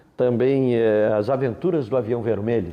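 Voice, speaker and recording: A man's ordinary speaking voice at medium pitch and moderate pace. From southern Brazil, Rio Grande do Sul (Bagé). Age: 60s. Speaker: pastor. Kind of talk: interview, personal reminiscence.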